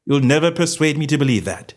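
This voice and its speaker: A man voicing a shrewd gentleman detective in a story reading, self-assured and genteel with a careless, goading manner. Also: on the high side, expressive, fast, voice pushed up, lightly acted. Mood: stubborn, baiting.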